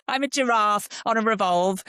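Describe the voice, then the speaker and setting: A British woman answering casually as a podcast guest, animated, candid and self-deprecating. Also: mid-range voice, normal speed, smooth, no room sound, clean studio sound. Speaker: guest, actor and writer.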